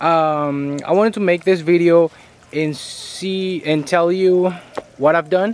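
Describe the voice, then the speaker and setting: Over noticeable background noise, a man with a Spanish accent speaks very slowly at a high pitch with fairly even intonation. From Nicaragua. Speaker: hobby aquaponics grower. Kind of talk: video tour of his system. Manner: halting.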